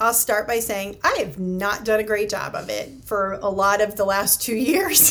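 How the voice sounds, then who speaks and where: A woman talks at a fairly slow pace in a fairly high voice, with hardly any pauses. There is noticeable background noise. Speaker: HR leader. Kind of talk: interview conversation.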